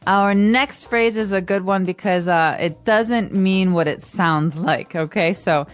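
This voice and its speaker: A woman's voice: mid-range voice, a little slow. Woman explaining English phrases with examples. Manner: explains phrases with everyday examples and acted-out lines. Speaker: podcast co-host, English teacher. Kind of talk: casual teaching chat.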